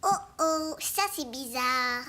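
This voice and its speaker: A woman voicing a curious, excitable four-year-old boy in a children's cartoon. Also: high-pitched, takes it slowly, a little hiss or hum, heavily acted. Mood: playful, earnest.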